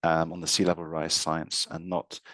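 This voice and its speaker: A university lecturer, a man, presenting his research over a video call, a bit hoarse from being unwell and repeating words as he thinks. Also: rumbling low, completely flat delivery, moderate pace, fairly bright tone, no echo, clean studio sound. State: slightly hoarse from illness. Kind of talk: academic presentation.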